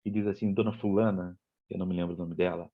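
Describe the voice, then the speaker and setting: A man's voice: sits low, fairly even intonation, fast, narrow, tinny audio. A man with a Rio de Janeiro accent giving a spiritist lecture, telling a story in a conversational way and acting out the dialogue. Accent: Brazilian Portuguese, Rio de Janeiro. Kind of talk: storytelling talk.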